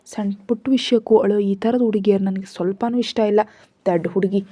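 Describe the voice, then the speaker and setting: A woman's voice: mid-range voice, fairly even intonation, normal speed, warm tone, no echo, natural voice. A woman voicing an arrogant, cruel teenage boy who sneers and threatens. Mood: sneering. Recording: dull lo-fi recording.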